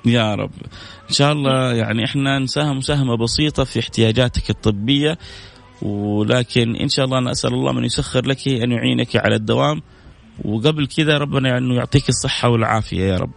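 A man's voice: mid-range voice, fast talker, creaky. A man hosting a radio charity call-in, making earnest pleading appeals and repeating blessings. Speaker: radio charity show host. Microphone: studio microphone.

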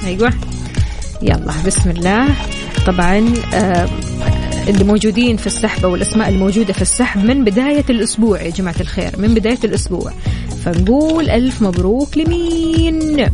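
A woman's voice: mid-range voice, rapid-fire. A woman with a Saudi accent presenting live radio and contests, addressing listeners directly in an upbeat announcer delivery. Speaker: radio host. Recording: music playing behind the voice. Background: music bed.

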